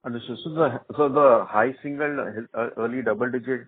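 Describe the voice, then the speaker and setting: Male analyst, mid-pitched, asking follow-up questions over a thin phone connection. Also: a little fast, husky, dry recording. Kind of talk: tentative spoken questions on a business call. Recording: dry, narrow telephone line.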